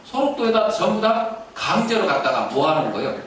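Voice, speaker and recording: A pastor preaching a sermon and telling a story with animation, recorded in a church sanctuary. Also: male voice, high voice, sing-song, fairly quick, fairly bright tone. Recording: echoey church, distant mic, faint hiss.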